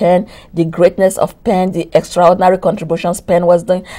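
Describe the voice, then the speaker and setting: With a Nigerian accent, a woman speaks at a fairly quick pace in a medium pitch with a dark, mellow tone. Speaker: nurse leader. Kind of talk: interview.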